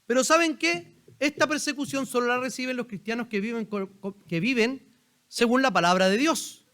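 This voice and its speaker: In a church sanctuary, a Chilean-accented male pastor preaches a sermon in an extremely high, slightly bright voice at a normal speed. He talks conversationally and puts questions directly to the congregation.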